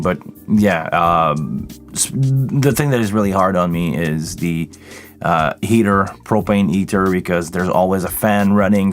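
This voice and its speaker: A tired man, hosting a casual livestream Q&A and chatting with viewers by name. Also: sits low. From Quebec, Canada. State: tired, voice deeper than usual this morning. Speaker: live sound engineer hosting a livestream.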